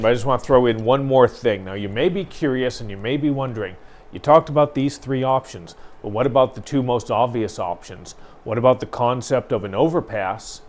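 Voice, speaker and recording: A man's voice: medium pitch, a little fast. A man, co-hosting a local news talk show, speaking earnestly and with emphasis. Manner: earnest, emphatic, builds to frustration. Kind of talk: conversational news commentary.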